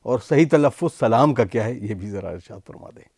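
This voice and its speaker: A man's voice: mid-range voice, expressive, darkish tone, slightly rough, no room sound. A man hosting a studio TV program, politely thanking the scholar and reading out viewers' questions. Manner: polite, reads viewer questions, frequent affirmations. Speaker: host. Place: television studio.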